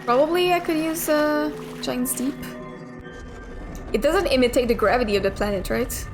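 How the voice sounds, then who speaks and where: With clear game music in the background, a young woman gives casual let's play commentary, thinking out loud and swearing occasionally. She has a high voice and speaks at a moderate pace.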